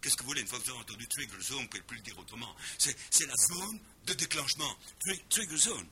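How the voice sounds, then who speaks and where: A man's voice: medium pitch, expressive, racing, pushed and bright, slight background noise. A man giving a lecture in an emphatic way, often repeating words as he explains. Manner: drops in English words with exaggerated pronunciation.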